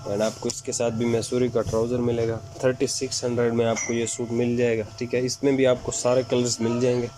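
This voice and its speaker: Flat-toned man pitching goods with a sore throat. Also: brisk, hardly any pauses. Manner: repeats catchphrases and instructions to viewers. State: unwell with a bad throat. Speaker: shop presenter selling women's suits. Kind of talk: casual online sales pitch, item by item. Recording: clear background noise, room ambience.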